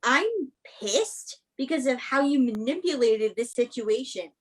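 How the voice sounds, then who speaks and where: Husky, bitter young woman played by an actress. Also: on the high side, lively intonation, a little slow. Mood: angry, defensive. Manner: confrontational, sarcastic. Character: Emma, bitter, guarded religious young woman. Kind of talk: virtual staged play reading.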